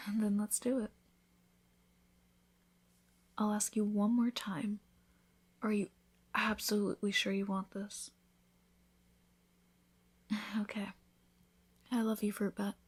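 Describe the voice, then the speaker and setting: A woman playing a devoted newlywed vampire wife in an intimate ASMR roleplay, speaking softly, often in a whisper, with an affectionate, reassuring manner. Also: medium pitch. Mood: soothing, careful, then loving. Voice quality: soft, breathy, often whispered.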